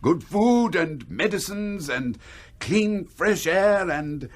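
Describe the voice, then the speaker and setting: Radio drama: reformed old miser, English accent, high-ish animated voice, theatrical and courteous, emotional. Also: male voice, takes it slowly, heavily acted. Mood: earnest, tender. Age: older. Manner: excitable, theatrical, old-fashioned courteous speech. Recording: radio drama with background noise.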